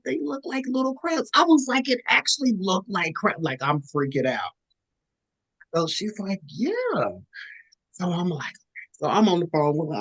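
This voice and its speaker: Woman co-host, low voice with big swings, animated storyteller who jumps to squeaky quoted voices. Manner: acts out quotes in high squeaky voice. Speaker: podcast co-host.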